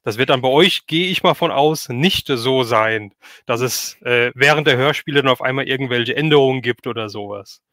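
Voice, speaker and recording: A man's voice: mid-range voice, normal speed, few pauses, a bit bright, no room sound, studio quality. A man hosting a casual livestream interview, asking rambling questions and often chiming in with agreement. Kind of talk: casual chat.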